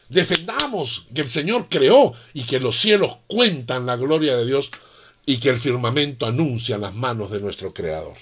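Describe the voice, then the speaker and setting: A middle-aged man preaching with a voice pitched a little above the usual male range. He drives his points home with emphatic stresses and keeps firing rhetorical questions at the congregation. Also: a bit bright, breathy edge. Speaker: pastor. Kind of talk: sermon.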